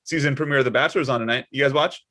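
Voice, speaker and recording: A man's voice: mid-range voice, very fast, pushed and bright, natural voice. A man acting a devout, fussy Catholic deacon father in a comedy table read, with sanctimonious, sugary jabs. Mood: breezy.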